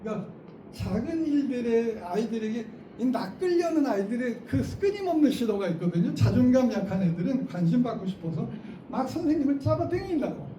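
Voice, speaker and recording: High-voiced guy lecturing teachers in a big echoey school hall, kinda far from the mic, noisy room. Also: brisk. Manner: lively, acts out classroom lines, laughs often. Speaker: teacher trainer. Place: school auditorium.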